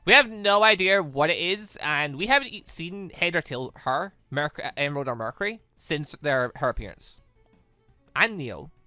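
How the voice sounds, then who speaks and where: A let's play host with a bright, animated delivery rambles casually through a visual novel. The voice is dry and close, repeats words while reacting, and has faint game music behind it. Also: medium pitch, dry recording. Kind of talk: visual novel playthrough, reading dialogue aloud with casual commentary. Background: background music from the game.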